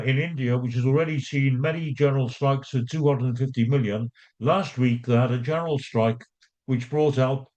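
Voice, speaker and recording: A man chairing an online meeting, introducing the session and the first speaker with frequent pauses and fillers. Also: medium pitch, a little mellow, highs cut off. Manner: hesitant, many fillers and restarts. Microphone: video call.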